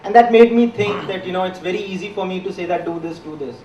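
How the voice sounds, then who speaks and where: Man explaining things slowly and calmly, high voice, roomy echo. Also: a little hiss or hum. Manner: measured, explanatory, slows on key points. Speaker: discussion participant. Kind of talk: reflective explanation in a group discussion. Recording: echoey room, distant mic, faint background.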